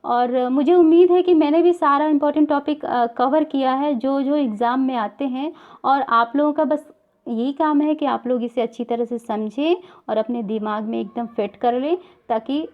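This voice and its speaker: A woman's voice: high-pitched, normal speed, dull audio. A woman teaching a Hindi grammar lesson to viewers. She repeats her points and puts questions to the class, and she mixes English words into her Hindi.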